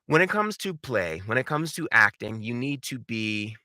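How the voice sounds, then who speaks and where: A man's voice: medium pitch, expressive, moderate pace, sharp tone, dry recording, studio quality. A man giving an instructional talk as a voice acting coach, emphatic and theatrical, repeating key words, with informal conversational asides. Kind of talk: instructional talk with numbered tips.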